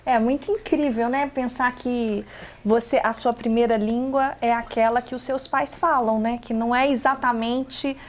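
A woman in her forties, a theater project coordinator, speaking reflectively and at a measured pace as a guest in a TV studio on a lapel mic. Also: fairly high pitch, fairly even intonation.

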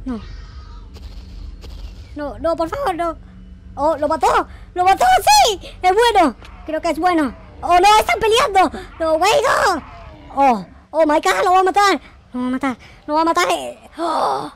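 A man playing a naive, panicky noob game character in excited, repetitive roleplay commentary. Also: very high voice, unhurried, a little hiss or hum, full character voice. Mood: amazed, relieved. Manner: frantic, repetitive, exclamatory. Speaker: gaming video creator. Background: faint music.

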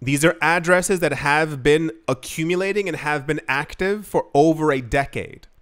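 High-voiced man rambling earnestly to camera. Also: fairly bright tone, clean tone. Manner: rambling, many "like" fillers and restarts; earnest, emphatic, shifts pace often. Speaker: crypto investing vlogger. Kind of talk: casual talk to camera.

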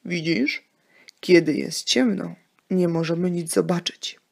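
A gentle, wise dad in a children's audio story, played by a woman, patiently teaching his boy. The voice has heavy creak and a husky grain, with earnest delivery. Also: on the low side, measured pace, heavily acted. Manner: patient, explaining.

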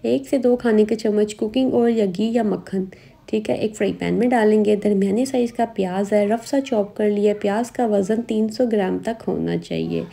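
A woman, calmly guiding viewers step by step through a recipe as a cooking host in voice-over. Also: medium pitch, normal speed, gravelly. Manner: calm step-by-step instructions.

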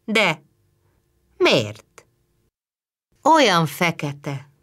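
A woman reading the lines of a shy, sorrowful young housemaid, soft and hesitant. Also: lowish voice, very animated.

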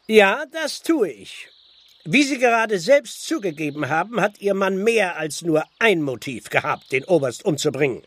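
An actor playing a stern, impatient village constable in a radio play, officious and brusque, with speech. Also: male voice, sits high, big pitch swings, moderate pace, a bit bright, no room sound, full character voice. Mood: pressing. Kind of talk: German radio play acting.

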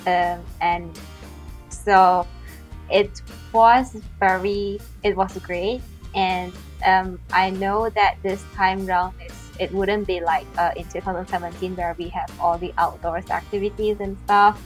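A woman's voice: medium pitch, steady tone, unhurried. Young student woman chatting over faint music. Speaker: student being interviewed. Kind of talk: casual video chat. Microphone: video call.

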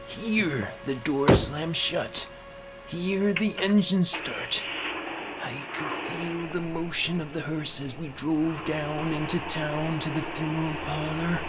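Slow, brooding man narrating horror. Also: on the high side. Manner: slow, brooding, theatrical first-person delivery. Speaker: narrator and amateur voice actor. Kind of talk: dramatic scripted horror comic narration.

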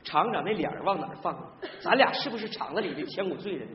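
An actor playing a hapless, evasive middle-aged husband in a stage comedy sketch, whining out excuses emphatically. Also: male voice, sits high, lively intonation, fast. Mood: defensive. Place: large theater stage before a live audience. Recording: echoey theater stage, muffled, noisy.

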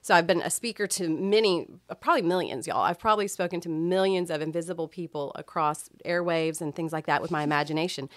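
Podcast guest: middle-aged woman, expressive storyteller, low, dry studio sound. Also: fast, few pauses, no room sound. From Texas, US. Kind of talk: casual chat.

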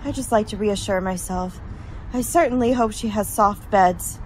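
A woman's voice: medium pitch, normal speed, slight background noise, natural voice, rough recording. A woman playing a tired, grumbling young college student in an old-time radio drama, with fretful, wordy delivery. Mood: doubting.

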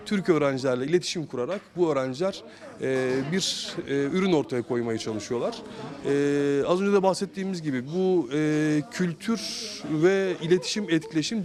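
A man with a moderately high-pitched voice gives a formal interview explanation. He sounds like an instructor, choosing his words in a measured, halting way. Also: darkish tone. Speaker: language program instructor.

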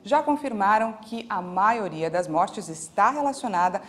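A woman in her thirties anchoring a live newscast, with a crisp, measured delivery on a lapel mic. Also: mid-range voice, animated. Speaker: news anchor. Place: outdoor studio set with trees.

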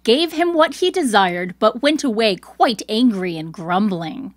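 A woman host reading scripted storybook narration in a clear storytelling delivery. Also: medium pitch, animated, a little slow, no room sound.

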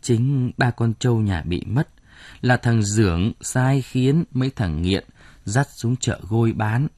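A man's voice: mid-range voice, slow pace, darkish tone, no room sound. A man narrating a novel in an audiobook, telling the story expressively. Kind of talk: scripted narration.

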